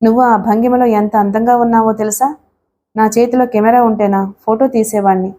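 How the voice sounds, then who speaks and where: A woman voicing a devoted older husband in a wheelchair, speaking gently and pleadingly in an audiobook. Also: a little high, fairly even intonation, a little fast, close to an everyday voice. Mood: fond. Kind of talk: audiobook character reading.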